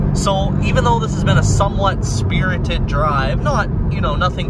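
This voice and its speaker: The speech comes at a moderate pace, with a dry sound and no echo but loud background noise. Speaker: car dealership vlogger. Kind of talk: casual vlog chat. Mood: upbeat, impressed. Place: car. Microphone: phone near.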